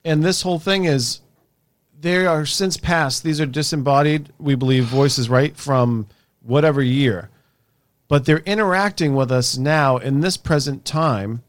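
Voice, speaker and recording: A man's voice: fairly high pitch, a little slow, clear, resonant tone, dry recording. A man co-hosting a podcast, chatting casually and reacting in a slangy, bro-ish way. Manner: slangy, uses dude and bro. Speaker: podcast co-host.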